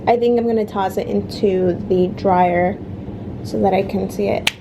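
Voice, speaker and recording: A young woman with a medium-pitched, creaky voice and fairly even intonation reviews products for her vlog at home, moving between her bedroom and the stairs. Speaking at normal speed over background noise, she chats straight to viewers, calls them guys, and fills her talk with ums and likes.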